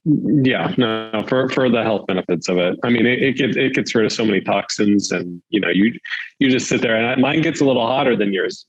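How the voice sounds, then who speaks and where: A man's voice: mid-range voice, breathy edge, no room sound, muffled recording. A man co-hosting a podcast, telling anecdotes in a casual conversational way. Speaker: podcast co-host, real estate agent.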